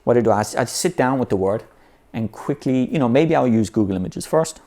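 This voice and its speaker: A man's voice: mid-range voice, expressive, a little fast, warm tone. A man teaching how to learn vocabulary in an easygoing, unscripted way, often restarting phrases and saying "you know". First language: English. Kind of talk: unscripted explanatory talk.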